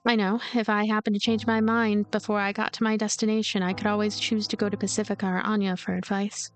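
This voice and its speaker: A woman's voice: medium pitch, flat delivery, fast, clean tone. A woman reading story narration aloud from a visual novel as a let's player. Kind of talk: expressive scripted narration. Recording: music behind the voice. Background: game music.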